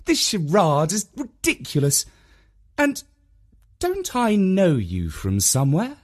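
A storyteller voicing a spirited mother, indignant but good-humoured, speaking in a lively way. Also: medium pitch, slow, pitched above the performer's own voice, exaggerated voice.

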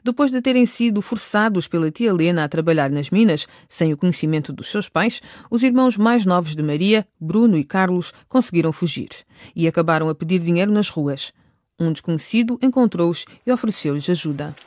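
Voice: medium pitch, expressive, a little fast, darkish tone, dry recording, studio quality. A narrator presenting a scripted radio drama and recapping the story.

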